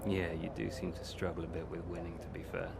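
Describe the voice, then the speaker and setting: An actor playing a smug young racing driver in a video game, mocking and falsely innocent in manner. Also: male voice, deep voice, flat delivery, brisk, creaky, heavy background noise. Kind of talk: cinematic video game acting.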